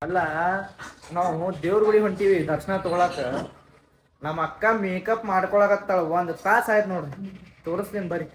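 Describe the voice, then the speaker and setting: A man's voice: high voice, fairly even intonation, brisk, long pauses, a little hiss or hum, poor audio. A man with a North Karnataka accent chatting casually and informally to viewers as a vlogger, dropping in English phrases. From Karnataka, India. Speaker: YouTube vlogger. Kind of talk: casual vlog chat to viewers.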